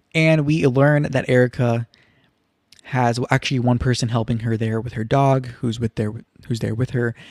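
In a dry, close recording with no echo, a man with an ordinary speaking voice talks at a moderate pace, medium in pitch and fairly even in intonation. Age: 20s. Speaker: YouTube reality TV recap host. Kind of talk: solo livestream recap commentary. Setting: live YouTube stream.

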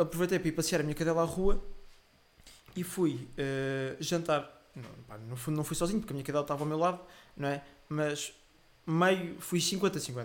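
A man speaks at a moderate pace with ordinary pitch variation. He leaves long, frequent pauses. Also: fairly high pitch for a man. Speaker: podcast host. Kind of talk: casual monologue. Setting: home. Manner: animated, hesitant fillers.

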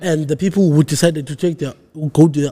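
His tone dark and mellow, a man speaks at a fairly high pitch with fairly even intonation. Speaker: podcast host. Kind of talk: casual interview chat. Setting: podcast studio. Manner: halting, repeats words.

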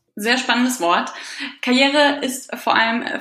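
A woman talks at a fairly slow pace. Noticeable background noise and audible room echo surround her. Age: 20s. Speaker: fashion industry worker and finance influencer. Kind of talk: interview. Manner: frequent hesitations.

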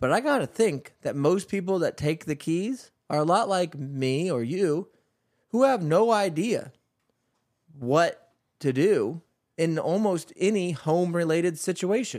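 A high-pitched man speaks at a fairly slow pace with lively intonation, captured in a very clean recording against a silent background. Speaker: podcast host and taco restaurant worker. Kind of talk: casual solo rambling monologue. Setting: small studio. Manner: rambling, conversational, jokey.

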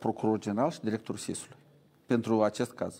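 A man's medium-pitched voice with a dark, mellow tone, on a very clean recording with a silent background. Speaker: member of parliament. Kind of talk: heated debate. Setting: studio.

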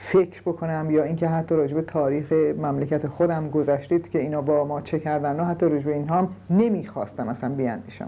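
A woman speaks at a very fast pace in a very deep, low voice. Her pitch varies in an ordinary way. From Iran, Tehran. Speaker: historian, former university professor. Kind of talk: oral history interview.

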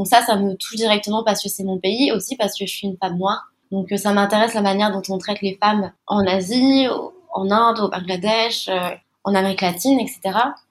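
A woman speaks at a fairly quick pace. Her voice is medium in pitch. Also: fairly even intonation. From Madagascar, then raised in France. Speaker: Instagram content creator on ecology and veganism. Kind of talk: interview. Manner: hesitant, many fillers.

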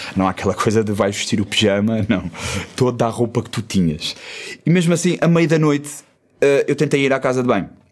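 A man at a medium pitch, fairly quick in pace yet with long, frequent pauses. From northern Portugal, Porto. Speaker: traveller. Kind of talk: casual interview. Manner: halting, with many repeated words.

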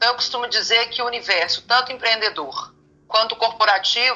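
It is a normal speaking voice with fairly even intonation. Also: woman. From Brazil, Belo Horizonte. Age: 40s. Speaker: life coach and consultant. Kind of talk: radio interview.

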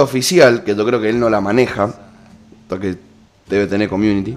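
A man talks here. His pace is fairly quick. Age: 20s. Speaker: radio host. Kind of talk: casual chat.

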